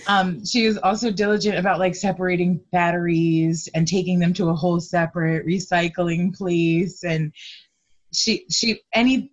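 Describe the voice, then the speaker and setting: Low-voiced woman on a dull remote line. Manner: hesitant, thoughtful, many ums. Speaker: guest, activist. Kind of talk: conversational interview.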